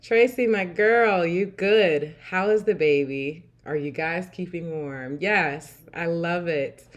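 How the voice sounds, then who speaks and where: Woman livestream host, lowish voice, warm and chatty, quick to laugh, reads viewer comments aloud. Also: highs cut off. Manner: warm, chatty, laughs often, repeats "I love it". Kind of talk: casual livestream chat reading viewer comments.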